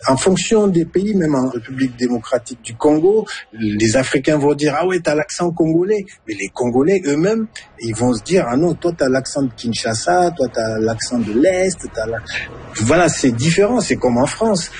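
A man's voice: fairly high pitch, expressive, moderate pace, darkish tone, a little hiss or hum. Man explaining with rising emphasis. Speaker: interviewee. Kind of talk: explanatory interview talk.

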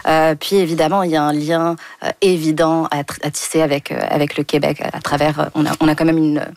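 A woman from Morocco speaks on a radio panel in a slightly low, composed voice, laying out background in an orderly way. The studio sound is dry and close. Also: flat delivery, fast talker, a little mellow, no room sound. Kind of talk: radio book discussion.

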